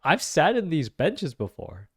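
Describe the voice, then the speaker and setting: A man hosting a casual reaction video, thinking aloud in slangy, excitable commentary. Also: fairly high pitch, a little slow, slightly rough. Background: faint music.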